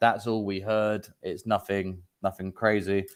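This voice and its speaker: This man has an English accent. The recording is very clean, with a silent background. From England. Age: 20s. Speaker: paranormal investigator and podcast host. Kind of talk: casual interview chat.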